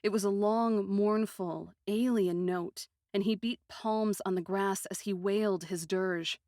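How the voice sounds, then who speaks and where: A woman narrating a first-person fantasy story in an expressive, literary manner with deliberate phrasing. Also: medium pitch, dry recording, clean studio sound.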